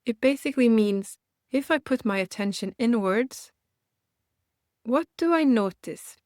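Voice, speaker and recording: A woman guiding a meditation for beginners in a gentle, reassuring manner, leaving unhurried pauses between phrases. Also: a little high, lively intonation, no room sound, studio quality. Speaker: meditation guide and host. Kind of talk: guided meditation, gently instructional.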